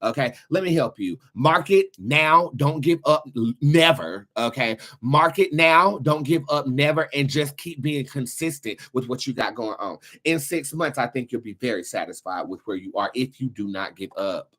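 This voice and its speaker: A man's voice: medium pitch, lively intonation, moderate pace, few pauses, fairly bright tone. A man giving casual live-streamed tarot readings as the host, talking in an emphatic, slangy and encouraging way.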